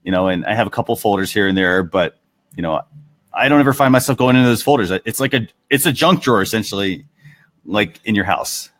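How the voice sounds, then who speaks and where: A man's voice: fairly low pitch, lively intonation, a little fast, fairly bright tone. A man hosting a talk show in casual chat, with loose, hesitant phrasing full of "you know". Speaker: host of a marketing talk show.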